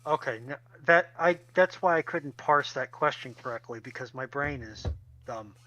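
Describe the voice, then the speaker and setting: A man's voice: medium pitch, moderate pace, bright, forceful tone. A man chatting casually as a panelist on an online call, piecing his ideas together aloud with some hesitation. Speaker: panelist on a live stream. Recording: slightly dull, band-limited call audio.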